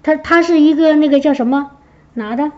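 A woman giving a personal testimony to her congregation, telling her story in a lively way and acting out what others said. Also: high voice, a little fast, lo-fi sound. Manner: lively storytelling, acts out quoted speech. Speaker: church member giving a testimony.

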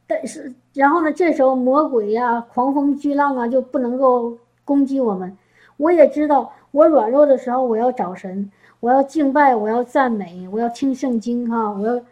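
High-voiced woman giving a testimony. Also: moderate pace, mellow, lo-fi sound. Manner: emotional, repeats words, asks listeners questions. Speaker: church speaker. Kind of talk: testimony sermon.

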